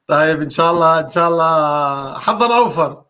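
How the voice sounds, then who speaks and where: Man, jovial quiz co-host, bright high voice, quick to laugh. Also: animated, dull audio. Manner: jovial, laughs often, teasing. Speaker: co-host of a live quiz show. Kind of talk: casual live chat.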